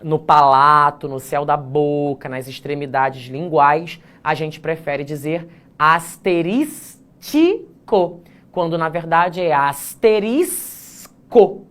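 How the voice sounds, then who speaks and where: A man teaching an online essay-writing class, joking at his own slips, drawing words out slowly to show how they are pronounced, and checking in with the class often. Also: a little high, fairly even intonation, a bit bright, clean tone. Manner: playful, self-mocking, frequent "tá?" check-ins; stretches words slowly to demonstrate pronunciation.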